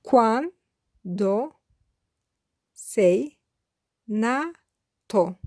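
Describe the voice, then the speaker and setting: A woman teaching a beginner lesson in a slow, scripted way, spelling out each phrase carefully and repeating it. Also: fairly high pitch, animated, a little mellow, no echo, studio quality. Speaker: language teacher.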